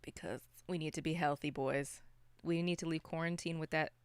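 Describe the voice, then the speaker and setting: A woman's voice: deep voice, fairly even intonation, moderate pace, clear, resonant tone, no room sound. A woman co-hosting a podcast, chatting casually about movies in a wry, informal, rambling way. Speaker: podcast co-host.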